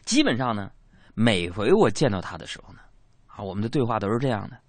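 Lively young man doing stand-up. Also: fairly low pitch, quick pace, dry recording. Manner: chatty storytelling with colloquial asides and self-mocking punchlines. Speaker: comedian. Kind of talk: stand-up comedy monologue.

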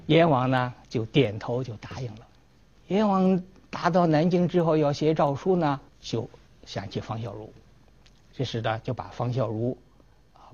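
Male history lecturer, storytelling style, very animated, slightly muffled recording. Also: mid-range voice, breathy edge. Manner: animated, acts out dialogue. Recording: dull lo-fi recording.

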